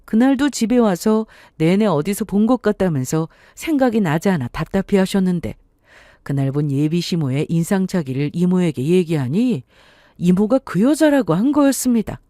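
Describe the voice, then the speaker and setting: Brief: woman storyteller, calm scripted narration, dry close mic. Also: lowish voice, normal speed, no room sound.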